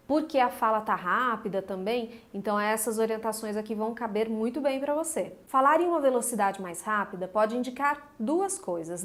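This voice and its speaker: A woman from Minas Gerais with a Mineiro accent, giving a lively, emphatic video lesson as a speech coach, with humorous asides. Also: fairly high pitch. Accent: Mineiro Brazilian Portuguese. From Minas Gerais, Brazil.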